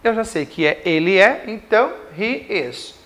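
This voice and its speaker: A Brazilian man teaching English grammar in a recorded school lesson, explaining slowly with repeated examples and checks like "certo?". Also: sits high, animated, fairly bright tone. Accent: Brazilian Portuguese.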